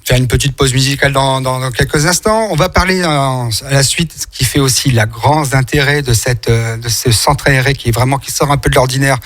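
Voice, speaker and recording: A man's voice: mid-range voice, brisk, few pauses, fairly bright tone. A man from France hosting a local radio interview in a chatty, wordy way, rambling and repeating words as he goes. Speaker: radio host.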